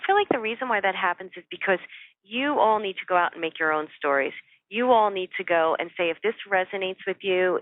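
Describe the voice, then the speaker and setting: A woman's voice: fairly low pitch, no room sound. A woman speaking as a spiritual teacher and interview guest, giving earnest, emphatic motivational advice in a conversational way. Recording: phone-like, narrow-band dry call audio.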